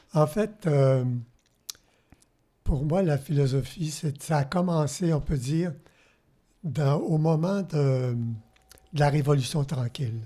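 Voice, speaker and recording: A man speaks at a very slow pace with long, frequent pauses. His fairly high voice is somewhat breathy, with a dark, mellow tone and ordinary pitch variation. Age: 80s+. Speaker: engineer and philosopher. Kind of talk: interview. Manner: halting.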